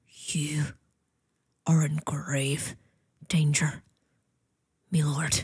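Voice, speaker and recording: In a put-on character voice at middle pitch, the speaker goes at a very slow pace with monotone, flat intonation and long, frequent pauses. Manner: grave, dramatic.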